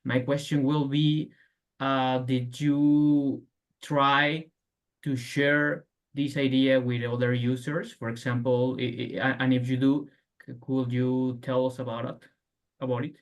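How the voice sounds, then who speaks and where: A man serving as a competition judge, his voice flat and mid-pitched. He speaks haltingly, repeating and restarting words as he frames his question.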